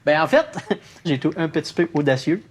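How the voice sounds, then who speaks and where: A man's voice: fairly high pitch, very animated, brisk, husky. A man, a dating show participant, playful and teasing.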